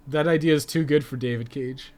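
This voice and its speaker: Laid-back talking streamer dude, mid-range voice, chats with chat and cusses a fair bit. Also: male voice, medium pitch, brisk, a little mellow. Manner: informal, foul-mouthed. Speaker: video game live streamer. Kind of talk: casual livestream chat with viewers.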